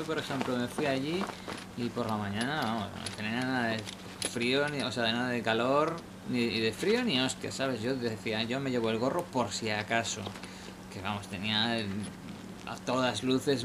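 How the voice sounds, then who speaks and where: A man's voice: mid-range voice, creaky. A young man giving casual spoken advice outdoors at night, rambling and hesitant with many restarts. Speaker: vlogger. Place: outdoors under a station shelter at night. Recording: noisy outdoor night recording.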